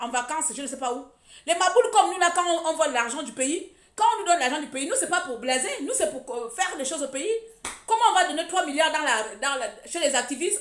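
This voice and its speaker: A woman's voice: high-pitched, a bit bright. A woman from Gabon, an activist ranting sarcastically and scolding on a live stream. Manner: mocking, scolding, repetitive. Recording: echoey room.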